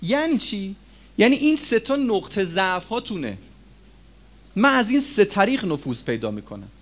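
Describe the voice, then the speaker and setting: Male cleric delivering a sermon, somewhat high voice, very lively swings between loud peaks and hushed drops. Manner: animated preaching with sudden loud rises and low drops; addresses listeners as friends. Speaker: cleric preacher.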